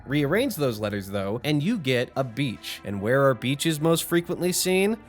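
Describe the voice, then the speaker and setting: A man's voice: medium pitch, very animated, normal speed, soft background music. A man hosting a commentary video, speaking casually with wry asides and some swearing. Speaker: YouTube host reviewing horror stories.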